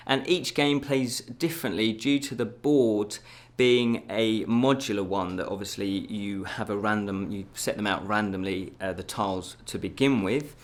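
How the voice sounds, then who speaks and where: A man's voice: medium pitch, a bit bright. A man presenting an informal news show from a script, ad-libbing with self-deprecating jokes and tripping over words.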